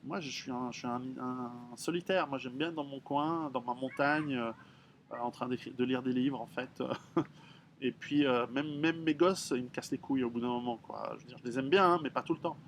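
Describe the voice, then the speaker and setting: A man's voice: medium pitch, normal speed, slight background noise. A middle-aged man, an author talking through his readers' questions in a frank, blunt way, with many halts and restarts. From Switzerland. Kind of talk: casual spoken monologue.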